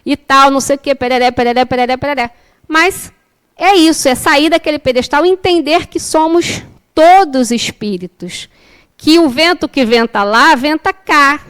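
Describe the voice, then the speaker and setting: A woman's voice: sits high, animated, moderate pace, a bit bright. A woman with a Brazilian accent teaching a class, telling a personal story in a conversational way with frequent tag questions. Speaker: spiritist course teacher. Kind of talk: lecture with personal anecdote.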